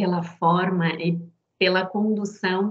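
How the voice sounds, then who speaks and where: The speaker is a woman. She uses monotone, flat intonation. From Brazil, Rio Grande do Sul (Ijuí). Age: 40s. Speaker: education manager. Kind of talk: personal life story talk. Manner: hesitant, with fillers.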